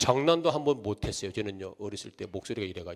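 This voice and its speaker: A man talks at a fairly quick pace in an animated tone, his pitch swinging very widely. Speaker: church deacon, evangelism speaker. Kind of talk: church lecture on evangelism. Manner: animated, humorous.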